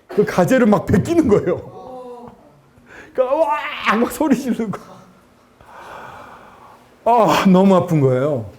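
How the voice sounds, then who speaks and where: A man preaching a sermon to students, telling a personal story in an animated way and acting out the people he quotes. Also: high-pitched, slow pace, long pauses. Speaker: preacher at student gospel camp.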